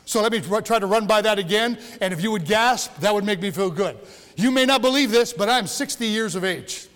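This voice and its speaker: A man's voice: high voice, fairly quick, a bit bright, big-room sound. A man in his sixties from Michigan, a longtime pastor preaching a sermon in a church in a folksy, joking way with many restarts. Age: 60s. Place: church sanctuary.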